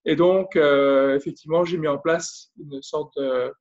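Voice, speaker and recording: A man's voice: on the high side, steady tone, measured pace, a little mellow, dull audio. Belgian-accented Frenchman, hesitant. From France. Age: 30s. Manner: hesitant, many fillers and restarts. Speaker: guest, business consultant and trainer. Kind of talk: casual interview, explaining.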